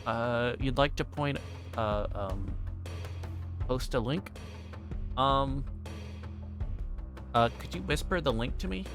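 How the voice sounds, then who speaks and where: A man livestreaming a game, reading aloud and chatting in a halting way, stumbling over words. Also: mid-range voice, music in the background. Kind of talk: reading a visual novel aloud and chatting with stream viewers. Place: livestream with music playing behind.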